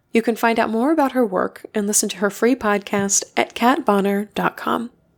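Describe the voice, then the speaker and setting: This woman's voice sits fairly high. Her pitch varies in an ordinary way. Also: moderate pace. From North Carolina. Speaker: podcast host, grief coach.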